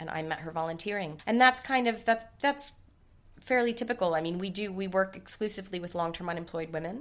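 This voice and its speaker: In an American accent, a woman speaks at a fairly quick pace with lively intonation. It is an ordinary speaking voice. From New York. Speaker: social entrepreneur, catering company founder. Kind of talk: interview conversation.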